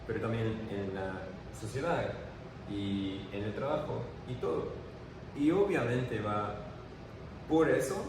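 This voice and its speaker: Hesitant male interviewer in an echoey room. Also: medium pitch. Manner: thoughtful, hesitant, many fillers. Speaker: interview host. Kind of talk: casual interview. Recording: roomy, distant mic with clear background noise.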